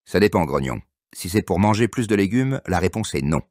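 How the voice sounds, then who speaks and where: A very deep, animated ogre dad from a children's cartoon , acted by a man. He is firm and protective, stern yet caring. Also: brisk, no room sound, studio quality. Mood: firm, doubtful. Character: cautious adult male ogre father, stern but caring.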